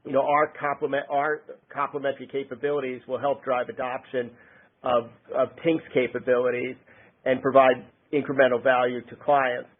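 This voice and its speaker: A man speaking as a company executive on an earnings call, halting and often rephrasing his words. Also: mid-range voice, level tone. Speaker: company executive answering analysts. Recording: narrow-band conference phone line.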